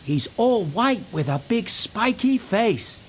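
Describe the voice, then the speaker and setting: Man doing a cheeky young engine, teasing, raised pitch, lively swoops, storybook, faint noise. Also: slow, exaggerated voice.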